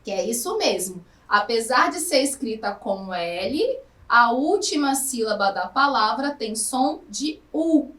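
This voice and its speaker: A woman teacher with a Brazilian Portuguese accent giving a recorded lesson to adult students, speaking slowly and drawing out her words. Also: a little high, lively intonation, a bit bright, recorded from a distance. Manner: slow, careful, drawn-out words. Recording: echoey room, somewhat off-mic.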